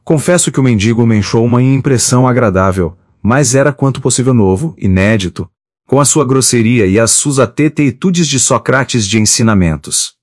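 A man's voice: medium pitch, normal speed, dry recording. Man reading an audiobook, dry and close. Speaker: audiobook narrator. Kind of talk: audiobook reading of classic prose.

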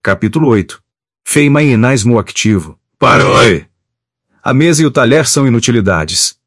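A man narrating an audiobook of classic prose with steady, measured reading. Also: mid-range voice, dry recording, clean studio sound.

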